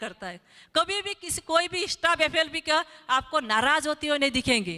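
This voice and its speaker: Projecting a raised voice, a woman with a non-native accent and a high pitch speaks in a bright, sharp, animated tone with lively intonation, the sound dry and close with no echo. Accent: non-native Hindi. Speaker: network marketing distributor and trainer. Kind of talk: testimony speech.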